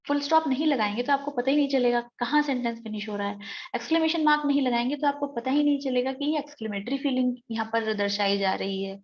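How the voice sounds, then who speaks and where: Woman teacher explaining slowly. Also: on the high side, highs cut off. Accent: Indian English. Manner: explains step by step, reads sentences out slowly. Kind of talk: exam-prep lecture.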